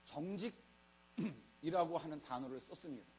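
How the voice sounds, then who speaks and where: A man's voice: fairly high pitch, animated, a little slow, darkish tone. A middle-aged male pastor giving a Sunday sermon in a colloquial, emphatic way, full of rhetorical questions. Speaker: senior pastor. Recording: mains hum.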